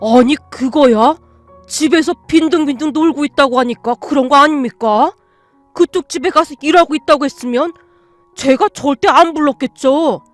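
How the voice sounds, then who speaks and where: A woman doing a harsh, shouting old father. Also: high voice, normal speed, no room sound, soft background music, lightly acted. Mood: scornful, shouting. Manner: shouting, contemptuous. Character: harsh, bullying older father, short-tempered.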